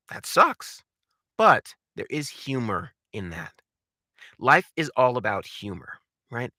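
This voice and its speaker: In a dry, clean studio recording, a man with a bright, mid-range voice and a forceful tone coaches voice acting. His instructional talk includes acted examples, and he speaks emphatically, often posing rhetorical questions.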